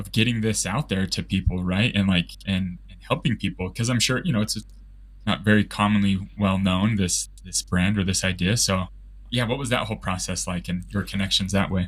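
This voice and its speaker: An ordinary speaking voice from a man, fairly low in pitch, with fairly even intonation and a fairly quick pace. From Utah. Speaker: podcast host, therapist. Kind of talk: interview.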